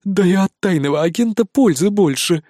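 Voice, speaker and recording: A man's voice: high voice, lively intonation, brisk, a little mellow, no room sound, clean studio sound. Sly cyclops cat informer, played by a male narrator: wheedling, evasive, slightly raised voice.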